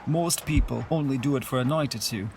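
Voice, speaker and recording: A man acting in an audio drama as a devout, reassuring Irish Catholic mourner, explaining things gently in a conversational way. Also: mid-range voice, brisk, creaky, slight background noise, natural voice. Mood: earnest, explaining.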